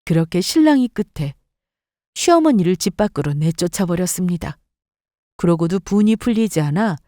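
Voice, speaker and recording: A woman narrates a scripted first-person story, her telling bitter and resentful. Her voice is mellow and dark. It sounds dry and close to the mic. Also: mid-range voice, no echo.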